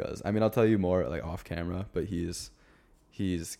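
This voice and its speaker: Vocal fry runs through a man's very deep, low voice. His pace is moderate. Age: young. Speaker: podcast host and college student. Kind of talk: casual chat.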